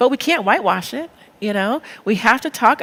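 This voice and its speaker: A woman's pitch swings very widely while noticeable noise sits in the background. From grew up moving around, military family. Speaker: state legislator. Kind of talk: Q&A at a church forum. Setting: church forum with in-person and online audience.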